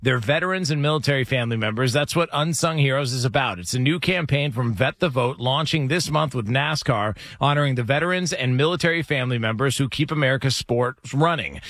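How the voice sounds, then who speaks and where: A man hosting a sports radio show, reading results and ad copy in a brisk, conversational way from a studio microphone. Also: medium pitch, a bit bright, no echo. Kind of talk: reading ads and results on air.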